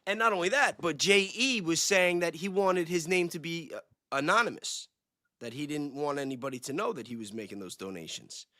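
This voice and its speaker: A man chats on a livestream in a slightly high, very bright voice. His delivery is informal and slangy, with a speculative bent. The sound is dry, with little room on it. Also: expressive, a little fast, no room sound. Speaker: livestream guest, self-described independent investigator. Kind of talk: casual livestream chat.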